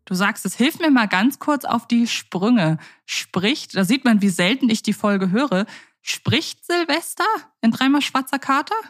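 A woman's voice: a little high, animated, unhurried. A woman co-hosting a podcast, chatting playfully in long winding sentences. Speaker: podcast co-host. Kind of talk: casual podcast chat.

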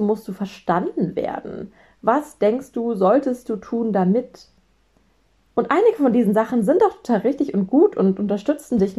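A woman in her late twenties, a business mentor, talking reflectively to her audience and acting out her own anxious inner voice with sudden high exclamations. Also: dark tone. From Germany. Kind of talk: reflective solo talk.

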